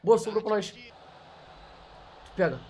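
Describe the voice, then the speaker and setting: A young man with a Brazilian accent chatting casually during a co-op game, excitable and slangy, often repeating short exclamations. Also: sits high, unhurried. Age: young adult. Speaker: co-op gaming partner. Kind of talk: casual gameplay chat. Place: bedroom gaming setup.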